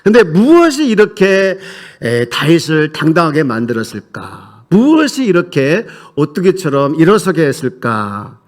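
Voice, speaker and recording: A male pastor preaches in a church sanctuary, talking with the congregation and leading them through shared readings. His voice is a touch high, and its pitch rises and falls in an animated way. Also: a little slow. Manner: conversational, leads the congregation in reading aloud. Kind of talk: sermon.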